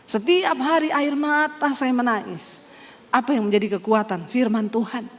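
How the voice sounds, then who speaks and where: A woman's voice: on the high side, moderate pace. A woman pastor giving a spoken testimony in a sermon, telling her story with strong feeling and acting out the words of others. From Indonesia. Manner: emotional storytelling, acts out her parents' quoted lines. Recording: long hall reverb.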